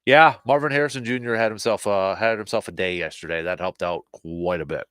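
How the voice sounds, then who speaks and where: A man with a low voice hosts a casual sports talk show, slightly hoarse and animated, often repeating himself as he restarts his sentences. The sound is dry and close. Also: brisk, dry recording.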